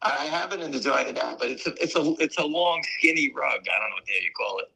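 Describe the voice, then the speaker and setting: Hoarse gravelly man chatting. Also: mid-range voice, animated, quick pace, sharp tone, poor audio. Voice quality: gravelly, raspy. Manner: rambling, chatty storyteller. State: hoarse from weeks of coughing. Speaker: guest on a stock market stream. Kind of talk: casual chat.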